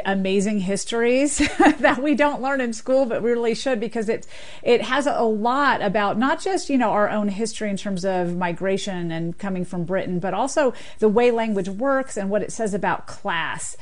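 A woman's voice: mid-range voice, normal speed. A woman, a linguist guest, explaining language history fluently and with enthusiasm on a radio talk show. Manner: fluent, enthusiastic explaining with many "you know" fillers.

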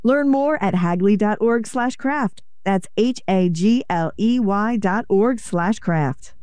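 Brief: woman announcer, warm mellow tone, dry close studio sound, sponsor copy. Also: mid-range voice, slow pace, no echo. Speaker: radio announcer. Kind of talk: scripted sponsor reads.

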